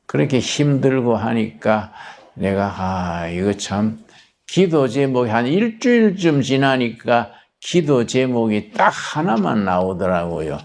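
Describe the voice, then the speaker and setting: A man's voice: medium pitch, very animated, slow, darkish tone. An older man, a pastor, telling a personal story in a plain-spoken, folksy sermon.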